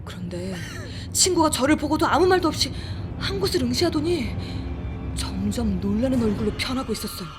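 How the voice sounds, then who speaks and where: Actress doing a scared young woman telling her horror story, hushed and suspenseful, faint music underneath. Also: sits high, brisk, natural voice. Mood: grim suspense. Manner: hushed, suspenseful, confiding, dropping to whispers. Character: frightened young woman recounting her haunted rented room. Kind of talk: dramatic first-person horror audiobook narration.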